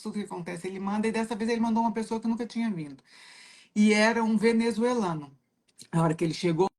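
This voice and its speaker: Uma mulher com sotaque brasileiro conta uma história pessoal de forma sentida, repetindo palavras para dar ênfase. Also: female voice, medium pitch. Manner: heartfelt storytelling, repeats words for emphasis. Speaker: trainer at a coaching company. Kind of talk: casual reflective talk.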